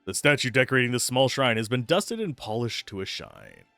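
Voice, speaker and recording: Animated male streamer, dry close mic. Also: medium pitch, brisk, no room sound. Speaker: game streamer. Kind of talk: live playthrough commentary, reading game text aloud. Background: faint game music.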